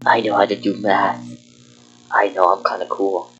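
A man's voice: lowish voice, flat delivery, normal speed, a bit bright, dull audio. A man playing a game with a friend, making mock-serious jokes in casual chat. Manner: mock-serious, jokey, breaks into laughter. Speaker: game player.

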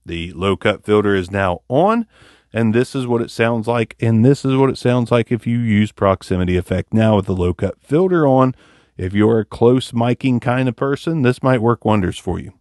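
A man doing a casual microphone review in an upbeat, slangy way, his voice heard through a low-cut filter so it sounds thin with no bass. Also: normal speed, a little mellow, dry recording, studio quality. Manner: upbeat, slangy, talking straight into the mic under test. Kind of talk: casual gear review talk. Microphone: studio condenser microphone on a shock mount.

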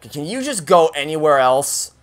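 Male streamer, slightly high voice, casual game commentary, exasperated and sweary, anxiously repeating himself. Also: very animated, moderate pace, faint music behind.

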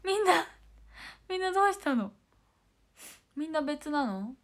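A young woman chatting casually with viewers on a livestream, bubbly and quick to giggle. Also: high voice, big pitch swings. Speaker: idol livestreamer.

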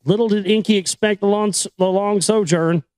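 A man reading a book aloud in deliberate, separate phrases, with the odd informal aside. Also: sits high, fairly even intonation, darkish tone, no echo.

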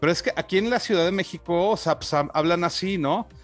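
A man with a Mexican accent co-hosting a casual talk show, rambling through gossip in slang with lots of filler pauses. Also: high-pitched, faint music behind. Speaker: co-host. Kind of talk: casual political gossip chat.

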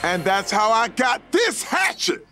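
An actor playing a proud, boastful cartoon dad with an earnest way of talking. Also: male voice, very high-pitched, big pitch swings, measured pace, full character voice. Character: proud, boastful dad on a family camping trip. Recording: music bed behind the dialogue.

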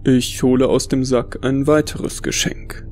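A man reading a first-person horror story as scripted narration, in a measured, brooding storytelling manner. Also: medium pitch, flat delivery, darkish tone, soft background music.

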